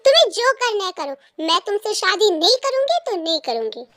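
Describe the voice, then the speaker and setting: High young voice playing a frightened defiant captive girl. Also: big pitch swings, brisk, pushed and bright, no room sound, clean studio sound, heavily acted. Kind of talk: fan audio drama voicing. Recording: music bed under the voice.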